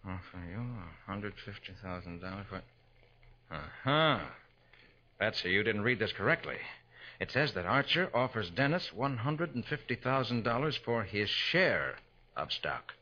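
Male lead: confident private detective, bright forceful voice with lively swings, brisk authority, dull vintage radio sound. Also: fairly low pitch, full character voice. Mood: musing, guarded. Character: confident, commanding master private detective, adult man. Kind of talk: 1940s radio drama acting.

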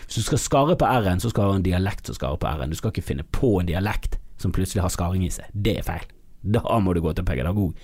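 A comedian from Bergen with a Bergen accent, ranting in a podcast monologue, swinging from loud mock-outrage outbursts to low mutters. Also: male voice, vocal fry. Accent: Bergen Norwegian. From Bergen, Norway.

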